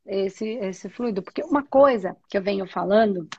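A spiritual teacher talks reflectively about spirituality, often posing questions and then answering them herself. Her voice is medium-pitched at a normal speed, with lo-fi sound.

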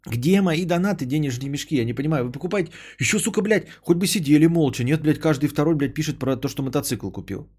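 Husky mellow-voiced man ranting profanely. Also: on the high side, fast talker, few pauses. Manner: rambling, profane, worked-up ranting. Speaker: podcast host talking to his chat. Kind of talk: casual livestream chat.

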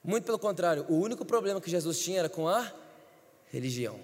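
A man preaching a sermon as pastor, impassioned, telling stories and acting out the dialogue, building to shouted repetition. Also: high-pitched, expressive, fast talker. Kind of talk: sermon with storytelling. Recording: long hall reverb.

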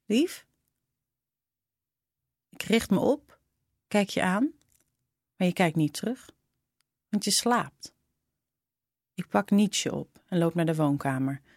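Slow, low-voiced woman reading intimately. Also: lively intonation, a little mellow, no echo, clean studio sound. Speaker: narrator reading a short story. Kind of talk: scripted storytelling.

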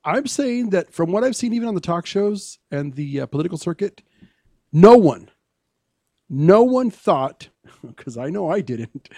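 A man with a fairly high voice co-hosting a talk radio show, laying out his points patiently and pushing back when he disagrees. His voice sounds close and dry in the studio. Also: darkish tone, no room sound. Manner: explaining, argumentative, measured. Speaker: co-host. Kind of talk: casual radio political talk.

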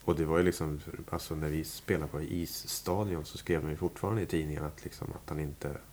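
A man's voice: very deep voice, fairly even intonation, a little mellow, a little hiss or hum. A man, a musician, talking casually in an interview, rambling with many fillers and restarts. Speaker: musician guest. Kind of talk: relaxed interview talk.

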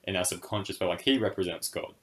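A man's voice: sits low, fast, a bit bright. A young man co-hosting a casual podcast discussion, speaking thoughtfully and hesitantly with many fillers and restarts. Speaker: podcast co-host.

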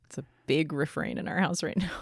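A woman's voice: sits low, vocal fry, slightly rough, dry recording, studio quality. A woman co-hosting a podcast in playful, casual comic chat. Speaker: podcast co-host.

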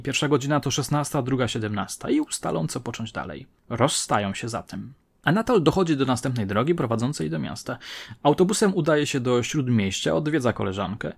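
Measured male true-crime narrator. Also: vocal fry, slightly rough. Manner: measured, dramatic storytelling with low dropping phrase ends. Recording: faint music bed under the voice.

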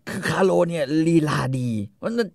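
A man casually retelling a story, crude and animated, acting out the characters. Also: high voice, quick pace, no room sound, studio quality.

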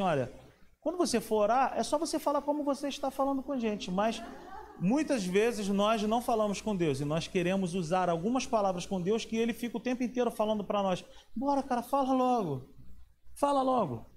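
A man's voice: sits high, a little mellow, a little hiss or hum. A man preaching a sermon in a conversational way, often asking the audience questions.

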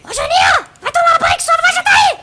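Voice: extremely high pitch, sing-song, fast, pushed and bright, raised voice, exaggerated voice. Someone voicing a nagging Brazilian mother hollering shrilly at a young child in a comedic amateur radio play. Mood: exasperated yelling.

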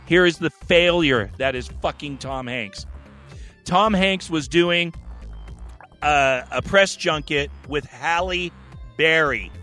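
Guy hosting a podcast, swears a ton, slow drawl, bright sharp tone, faint music behind. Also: a little high. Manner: profane, animated storyteller. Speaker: podcast host. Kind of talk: casual chat.

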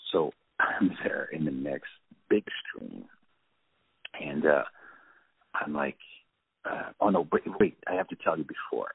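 A man with a French accent and an extremely low, gravelly voice tells stories in a halting, restarting way. His voice is husky and comes through a tinny, phone-like line. The sound is dry, with no room around it. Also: big pitch swings, dry recording. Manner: halting, many restarts and fillers. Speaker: film director guest. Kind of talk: anecdotal interview chat.

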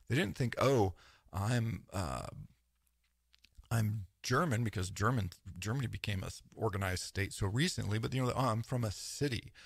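A man talking through ideas in a rambling, animated lecture style, often tagging points with "right?" and asides. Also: mid-range voice, vocal fry, breathy edge, dry recording, studio quality. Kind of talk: casual lecture-style talk.

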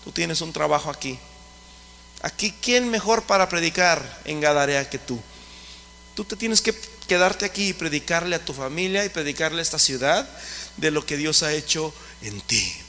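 A male pastor, preaching a fervent sermon that rises to shouts. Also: a little high, animated, moderate pace, in a large hall, slight background noise.

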